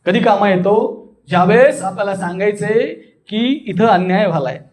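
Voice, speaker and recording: A man's voice: high-pitched, normal speed. A man with a Marathi accent from Maharashtra teaching a voice and public speaking workshop, theatrical and full of questions to his listeners. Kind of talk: animated classroom teaching with acted demonstrations.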